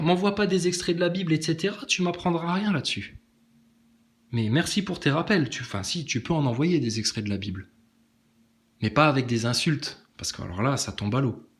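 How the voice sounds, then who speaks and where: A man giving a sarcastic, emphatic monologue to camera, challenging his critics. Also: medium pitch. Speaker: online video maker answering critics.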